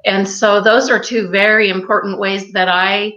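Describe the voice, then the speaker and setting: A woman chatting from her home kitchen on a video call, upbeat and quick with fillers. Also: mid-range voice, flat delivery, pushed and bright. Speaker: guest. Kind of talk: casual video call chat. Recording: dull lo-fi call audio.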